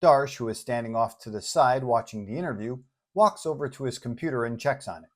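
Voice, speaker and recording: A man's voice: mid-range voice, fairly quick. A man with a mid-range voice hosts and narrates a superhero serial. His delivery is scripted storytelling, read aloud to listeners. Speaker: storyteller and host.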